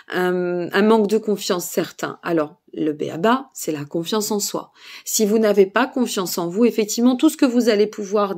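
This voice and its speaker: Speaking to camera while seated indoors, a weary woman with a Burgundian French accent gives spiritual guidance. Her mid-range voice has a darkish tone, and she hesitates, fills pauses and checks on her listeners.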